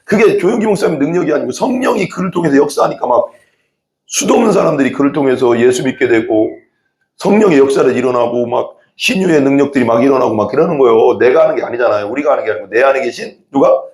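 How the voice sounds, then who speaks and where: A male pastor preaching an animated sermon in a church, acting out quoted prayers and voices. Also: mid-range voice, quick pace, reverberant. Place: church sanctuary.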